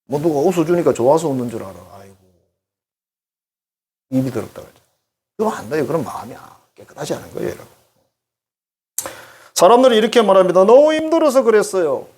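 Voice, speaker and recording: Husky, animated pastor preaching. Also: male voice, a little high, fast, pauses often. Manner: animated, addresses congregation directly, acts out quoted voices. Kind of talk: conversational sermon.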